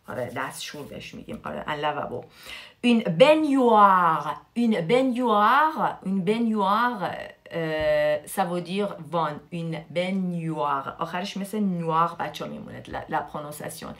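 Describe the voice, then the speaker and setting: Her voice sits low with a bit of brightness as this Persian-speaking French teacher leads a live class online in both French and Persian. Each new word gets slow repetition and careful stress on pronunciation.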